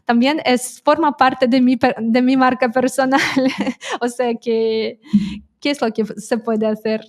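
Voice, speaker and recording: A woman's voice: high voice, fairly even intonation, takes it slowly. Earnest woman speaking Spanish as a second language. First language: not Spanish. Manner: direct, earnest, frequent hesitations and laughs. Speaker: interview guest. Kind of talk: conversational interview.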